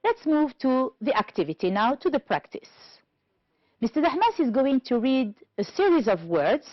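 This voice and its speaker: A woman teaching an English pronunciation lesson on television, explaining slowly and deliberately and checking understanding with questions. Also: on the high side, no room sound. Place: TV studio. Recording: dull, lo-fi dry studio sound.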